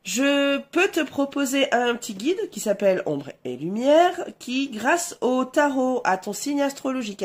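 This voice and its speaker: Stuffy-nosed French woman, tarot vlogger, slightly high, slow and hesitant delivery. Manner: slow, hesitant, many fillers, addresses viewers warmly as her "essentiels". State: stuffy nose from a cold. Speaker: tarot reader. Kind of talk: casual tarot guidance vlog.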